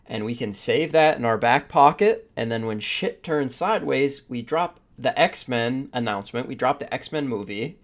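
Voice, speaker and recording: A man's voice: medium pitch, animated, moderate pace, hardly any pauses. A man speaks in a middle-range voice as a podcast co-host. His talk is casual and opinionated, with a blunt, emphatic way of making a case. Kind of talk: casual opinionated chat with swearing.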